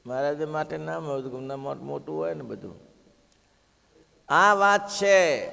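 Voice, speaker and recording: Brief preacher, higher voice, reverberant hall. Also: male voice, vocal fry. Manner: expressive, rhetorical questions, acts out quoted villagers. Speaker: religious discourse speaker. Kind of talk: devotional sermon with storytelling.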